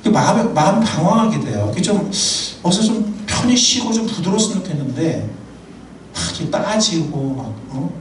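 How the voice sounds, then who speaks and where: A male pastor preaching a sermon in a church, animated and humorous, telling personal anecdotes. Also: high voice, brisk, slight background noise. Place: church sanctuary. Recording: echoey hall from far off.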